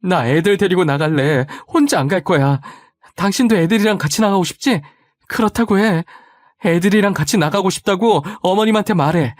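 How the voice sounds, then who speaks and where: A man's voice: sits high, sing-song, normal speed, dry recording, voice pushed up. A man voicing a desperate young wife. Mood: frantic. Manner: pleading and insistent. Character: distressed young wife and mother.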